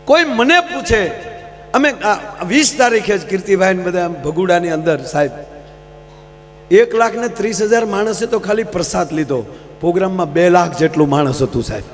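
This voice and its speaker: High-voiced folk comedian on stage. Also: male voice, expressive, normal speed. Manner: folksy, keeps addressing the audience as sir. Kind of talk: live stage humorous storytelling. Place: large live stage program. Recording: reverberant live hall, faint mains hum.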